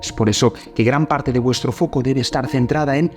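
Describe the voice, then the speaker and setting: An emphatic man walks viewers through practical learning tips in a mid-pitched voice. Soft music plays behind him. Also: brisk. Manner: emphatic, direct address to viewers. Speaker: host. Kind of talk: explaining language-learning tips.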